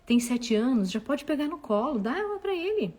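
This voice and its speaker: A woman giving parenting advice to an audience in a casual, expressive talk. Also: high-pitched, moderate pace. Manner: expressive, acts out dialogue with children. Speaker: parenting advice speaker and mother.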